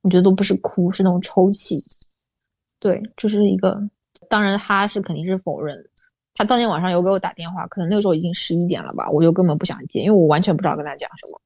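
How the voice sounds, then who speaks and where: A woman's voice: lowish voice, fairly even intonation, quick pace, vocal fry, a little mellow, breathy edge, no room sound. A young adult woman telling a personal story as a podcast guest, often asking "you know?" and slipping English words into her talk. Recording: dull, dry lo-fi recording.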